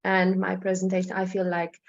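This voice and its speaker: A woman's voice: fairly low pitch, monotone, fairly quick. Polish-accented woman presenting, dull lo-fi audio. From Poland. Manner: hesitant, repeats words, tags sentences with "right?". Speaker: hypnotherapist presenting. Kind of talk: informal online presentation.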